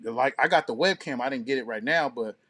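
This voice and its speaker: Here the co-host's voice is medium in pitch, brisk, bright and forceful. The American man keeps his podcast commentary crude, slangy and informal, regularly tacking on checking tag phrases.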